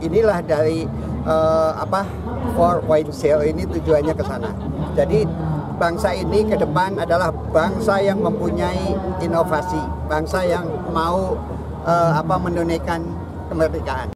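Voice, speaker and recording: A middle-aged man giving speech-like remarks with pauses and fillers, into a handheld mic outdoors. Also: fairly high pitch, fairly even intonation. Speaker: regional head interviewed. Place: outdoors at a street expo. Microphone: handheld reporter mic. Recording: loud outdoor street noise.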